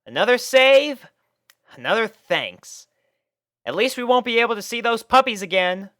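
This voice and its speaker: Brash tomboy pegasus filly, cocky and loud, as a male reader puts her on in a high falsetto. Very high, forceful, dry close sound. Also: lively intonation, normal speed, no echo, full character voice.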